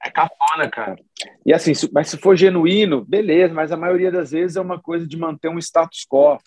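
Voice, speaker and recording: This interview guest, a musician, has a slightly high voice with a breathy edge and a brisk delivery. His talk is loose and laid-back, scattered with slang and frequent restarts.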